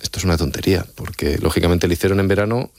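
Low-voiced, fast-talking man explaining earnestly. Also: fairly even intonation, a little mellow, no room sound. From Extremadura, Spain. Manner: explanatory, earnest, often checks in with "¿vale?". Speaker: author being interviewed. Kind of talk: radio-style interview answers.

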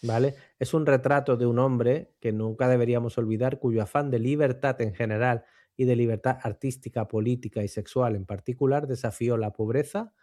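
Hombre de voz cálida comentando un libro. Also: male voice, medium pitch, fairly even intonation, a little fast, mellow, dry recording, clean studio sound. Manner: thoughtful, with fillers and restarts, tag questions. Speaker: book commentator on a radio show. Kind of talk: conversational book commentary.

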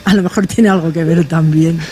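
An older woman with a Madrid accent, a biologist and teacher, telling her story as a radio guest with lively humor. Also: lowish voice, fairly quick, slight background noise. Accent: Madrid Spanish. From Madrid, Spain. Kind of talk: casual interview chat. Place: village square outdoors.

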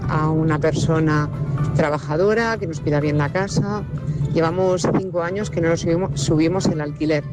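A woman, a landlady, explains her situation in a recorded listener message, measured and explanatory. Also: low-pitched.

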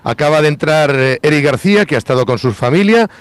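A man reporting live outside a hotel, giving fast running commentary on who comes and goes. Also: fairly high pitch, expressive, no room sound. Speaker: field reporter. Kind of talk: live on-location sports news report.

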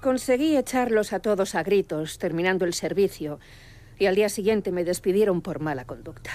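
An actress playing a brisk, irascible middle-aged head chef in an audio drama, with a Castilian Spanish accent. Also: female voice, mid-range voice, lively intonation, warm tone, natural voice. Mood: subdued, resigned.

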